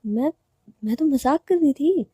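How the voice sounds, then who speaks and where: A woman's voice: high-pitched, animated, a little slow, warm tone, no echo, clean studio sound, pitched above the performer's own voice. A woman voicing a playful, teasing young woman in love who coaxes and plays with words. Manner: teasing, coaxing, wordplay.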